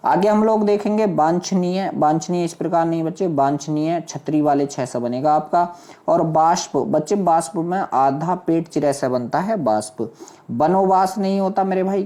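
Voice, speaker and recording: A woman teaching a spelling lesson for exam prep, drilling each word and quizzing students with quick rhetorical questions. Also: sits low, dark tone.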